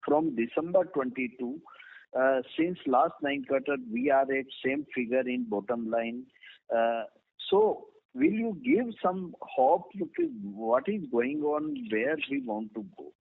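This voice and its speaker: A man's voice: a little high, very animated, a little slow, creaky. An Indian-accented man, an investor caller questioning management on an earnings call in an emphatic, pointed way. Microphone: phone line. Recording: tinny, narrow phone line.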